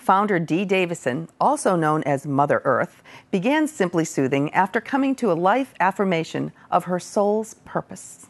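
A woman speaks at a moderate pace with hardly any pauses and very even loudness. Her medium-pitched voice shows very wide pitch swings. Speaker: community TV news anchor. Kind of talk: news presenting. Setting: studio. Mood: friendly, upbeat. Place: studio. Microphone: lapel.

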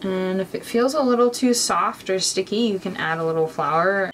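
A woman talks at a moderate pace with ordinary pitch variation. Noticeable background noise is present. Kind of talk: tutorial. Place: kitchen. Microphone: camera far.

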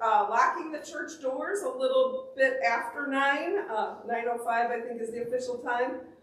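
At a fairly slow pace, a woman talks with audible room echo around her. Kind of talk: church announcements. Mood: friendly, relaxed. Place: church. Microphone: camera far.

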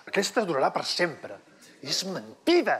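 The speaker sounds animated, with very wide pitch swings. Crowd noise can be heard in the background. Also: man. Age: 50s. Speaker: comedian. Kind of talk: stand-up. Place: stage. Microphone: lapel.

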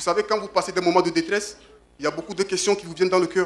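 A man talks in a high voice with fairly even intonation. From Togo. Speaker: church member giving testimony. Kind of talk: testimony. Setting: church. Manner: halting. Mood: earnest, recounting hardship. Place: church. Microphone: handheld.

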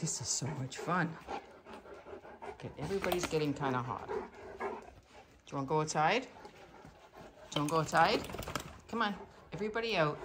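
Fairly quick speech from a man over noticeable background noise. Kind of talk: casual talk to pets. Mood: cheerful, amused. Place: home room. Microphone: phone near.

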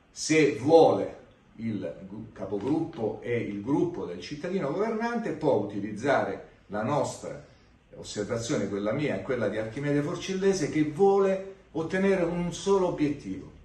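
A man talks at a fairly slow pace, and audible room echo follows his words. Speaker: local politician or lawyer. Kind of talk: political statement to citizens. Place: office. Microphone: phone near.

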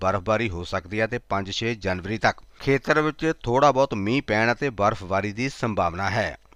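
Recorded with a dry, close sound, no echo and a quiet background, a man with a medium pitch and ordinary pitch variation uses an ordinary speaking voice. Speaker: news anchor. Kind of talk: news reading. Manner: formal, steady, brisk read-aloud delivery; dense run-on sentences with few pauses.

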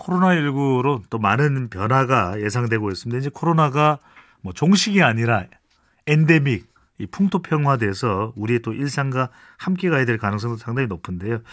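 An unremarkable speaking voice from a man, medium in pitch, with lively intonation, a moderate pace and a quiet background. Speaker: radio interviewer. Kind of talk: radio interview. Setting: studio. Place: studio. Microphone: studio mic.

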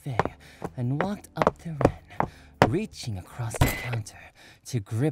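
The speaker reads in a natural reading voice.

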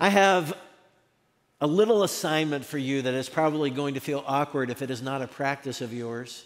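A man speaks at a moderate speed, his pitch varying in an ordinary way, with a quiet background behind him. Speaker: preacher. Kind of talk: sermon. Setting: church. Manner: earnest, teaching. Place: church. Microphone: headset.

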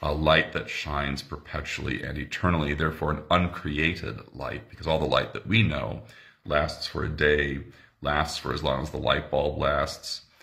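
A man with a very deep, low voice and a bright, sharp tone talks at a moderate pace with fairly even intonation and vocal fry over a quiet background. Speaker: pastor. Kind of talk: sermon-like Bible study talk. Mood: calm, reflective. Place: church. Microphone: phone near.

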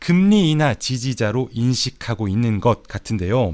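An unremarkable speaking voice moves at a moderate pace with lively intonation. The recording is very clean, with a silent background. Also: man. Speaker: newspaper reporter hosting a news review show. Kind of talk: news reading and commentary. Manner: conversational with filler sounds.

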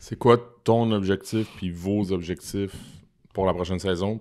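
Speaking in a Quebec accent at a fairly slow pace, a man uses a very deep, low pitch and fairly even intonation. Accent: Québécois French. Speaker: podcast co-host; podcast host. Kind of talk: casual chat. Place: home room. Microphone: studio mic.

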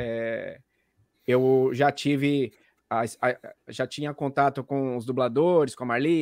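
Against a quiet background with a dry, echo-free sound, a man speaks very slowly in a fairly high voice. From Brazilian countryside; Brazil. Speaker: voice actor. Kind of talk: anecdote telling. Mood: reminiscing, friendly. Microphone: video call.

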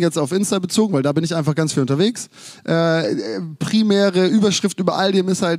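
Over a quiet background, a man is speaking. His pace is fairly quick. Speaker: speaker. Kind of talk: casual stage talk. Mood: relaxed, joking. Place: stage. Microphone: handheld.

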